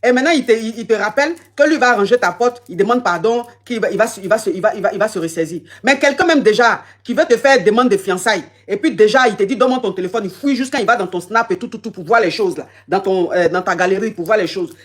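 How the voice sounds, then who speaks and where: Fast-talking emphatic woman coach. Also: medium pitch, expressive. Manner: emphatic, repeats words and restarts often. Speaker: advice coach. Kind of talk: live call-in advice chat.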